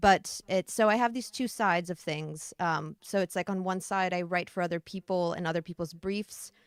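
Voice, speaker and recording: The recording is very clean, dry and close, with a silent background and no echo. A woman of medium pitch talks with an American accent at a moderate pace, fairly even in intonation and with hardly any pauses. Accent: American-sounding. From Italy. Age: 30s. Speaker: composer and recording artist. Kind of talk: casual interview chat.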